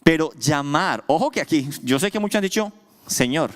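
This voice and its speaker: Animated preaching man in a reverberant church. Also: on the high side, normal speed. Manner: asks the congregation questions, answers himself emphatically. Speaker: pastor. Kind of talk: sermon. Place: church hall. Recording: long church hall reverb.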